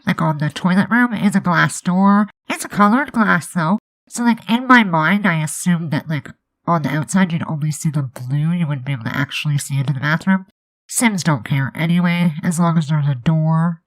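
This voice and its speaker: A woman's voice: deep voice, low-quality recording. A young woman with a nasal, stuffed-up voice from allergies, chatting loosely with lots of fillers over a game building video. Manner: rambling, chatty, many fillers. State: congested from allergies. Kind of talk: casual speed build voice-over.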